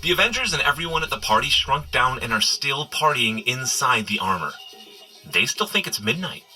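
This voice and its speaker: Bright, animated, bumbling superhero. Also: male voice, medium pitch, normal speed, soft background music, low-quality recording. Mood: sheepish, rambling. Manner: rambling, sheepish, nervously joking asides. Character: flustered, wisecracking, bumbling male superhero coaching a runner. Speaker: character guide in an audio running adventure. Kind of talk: comedic audio drama monologue.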